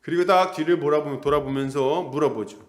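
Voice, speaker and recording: A middle-aged male pastor preaching an expository sermon, animated and acting out the characters. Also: fairly high pitch, fairly quick, echoey room. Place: church hall.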